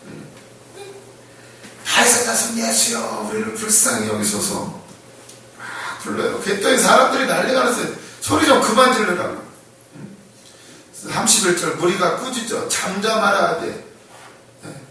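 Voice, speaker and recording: A preacher delivers a lively, conversational sermon at a moderate pace with long pauses, acting out the blind men's shouting in his story and laughing often. His voice is high and bright for a man. He is recorded far from the mic in a very echoey church, with faint room ambience and a little hiss or hum.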